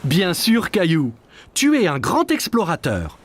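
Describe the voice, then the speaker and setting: A man's voice: fairly high pitch, huge pitch swings, unhurried, full character voice. A man voicing a patient, encouraging father in a cartoon, reassuring and kind. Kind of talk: cartoon dubbing.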